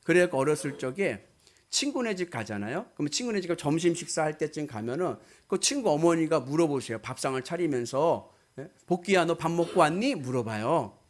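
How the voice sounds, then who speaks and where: This man's voice is fairly high, expressive and brisk, with slight background noise behind it. He's a pastor preaching a sermon, exhorting emphatically, telling stories and putting direct questions to his congregation.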